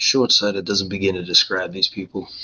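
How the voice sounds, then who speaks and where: In a put-on character voice, a man speaks fairly quickly with a very deep, low, raspy pitch and flat, monotone intonation. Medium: actual play. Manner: blunt, scornful, folksy.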